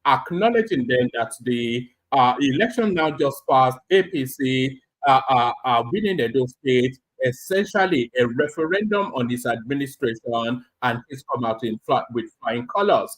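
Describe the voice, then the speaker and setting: A man's voice: medium pitch, animated, normal speed, hardly any pauses, no room sound, low-quality recording. A man from Oyo in southwestern Nigeria with a Yoruba accent, hosting a casual livestream commentary and emphatically repeating his phrases. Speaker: live stream host.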